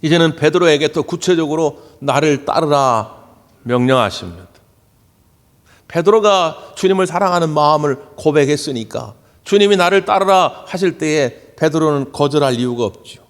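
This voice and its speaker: In a church sanctuary, a male pastor gives a Sunday sermon, telling stories with animation and acting out the voices of his characters. His voice sits on the high side and moves at a moderate pace. The recording carries the long reverb of a church hall.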